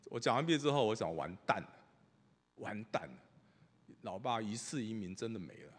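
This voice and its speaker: Animated male pastor preaching in a hall. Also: fairly low pitch, moderate pace, a little hiss or hum. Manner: animated storytelling, acts out quotes, swings from loud to hushed. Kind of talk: sermon. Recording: long reverb of a large hall.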